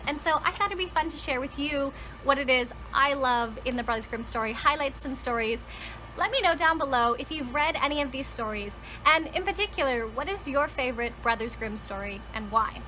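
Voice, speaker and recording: A woman's voice: high voice, a little fast, pushed and bright, a little hiss or hum, low-quality recording. A woman talking casually and enthusiastically to viewers as a book vlogger, conversational and leaning on words for emphasis. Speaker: book vlogger and storytelling channel host.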